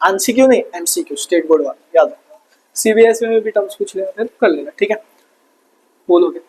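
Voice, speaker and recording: A young male teacher with a high, husky voice runs an online lesson. He keeps firing each term back as a question and drops in playful asides between points. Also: lively intonation, a little fast, darkish tone, rough recording. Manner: repeats terms as quiz questions, joking asides.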